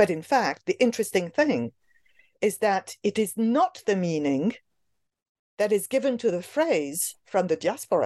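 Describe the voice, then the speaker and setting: In a dry, close sound with no echo, a woman at a medium pitch speaks at a fairly slow pace, with very wide pitch swings and long, frequent pauses. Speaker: literature professor. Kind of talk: interview. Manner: halting, many fillers.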